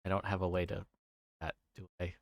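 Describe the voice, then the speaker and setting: A man livestreaming, reading a visual novel aloud and chatting casually to viewers with halting, rambling asides. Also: low voice, monotone, no echo.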